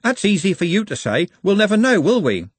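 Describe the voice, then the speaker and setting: A man doing a stubborn, blurting working-class lad, pitched high. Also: big pitch swings, a little fast, slightly rough, no room sound, full character voice. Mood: exasperated. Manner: blurting, protesting. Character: earnest young working-class man, stubborn, devoted to his mum. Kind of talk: audiobook character voice.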